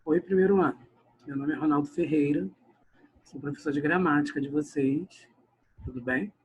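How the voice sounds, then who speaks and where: A man's voice: a little high, moderate pace, husky, poor audio. A male grammar teacher, giving an online lesson and often calling out to his class while he stretches words for emphasis. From Brazil.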